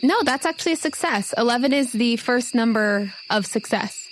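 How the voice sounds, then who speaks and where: A woman with a fairly high voice narrates a tabletop role-playing game as game master. She improvises in a casual, conversational way. Faint noise with chirping insects sits behind her. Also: lively intonation, moderate pace, rough recording.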